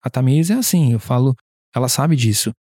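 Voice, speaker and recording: A man's voice: medium pitch, expressive, a little fast, dark tone, no echo, clean studio sound. A man hosting an interview who asks long, thoughtful questions and chats with his guest. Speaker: interview host.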